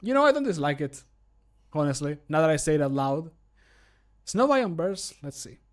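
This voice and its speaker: A man's voice: on the high side, sing-song, normal speed. A man in his thirties chatting casually as a streamer, thinking aloud in a jokey, self-deprecating way. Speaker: streamer, game modder recording voice lines. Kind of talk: casual livestream chat. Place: small home room, indoors.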